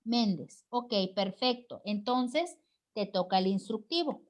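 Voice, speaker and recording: Teacher: woman, fairly high voice, encouraging, leads an online class over a video call. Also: animated, takes it slowly, darkish tone. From Mexico. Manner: encouraging, frequent "¿verdad?" tag questions.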